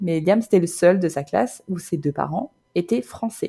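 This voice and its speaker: A woman's dark, mellow, somewhat breathy voice carries lively intonation. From Normandy, France. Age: 30s. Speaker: expat mother. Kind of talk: interview testimony.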